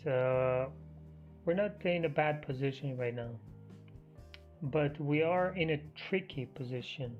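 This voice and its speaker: Slow, hoarse man thinking aloud. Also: on the high side. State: losing his voice. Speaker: live trading stream host. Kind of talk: live market commentary. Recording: muffled stream audio with faint music.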